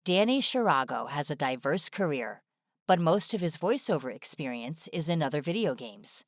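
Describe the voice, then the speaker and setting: In a fairly low, sing-song voice at normal speed, a woman delivers scripted narration for a video. The sound is dry like a studio voice-over, with no room echo.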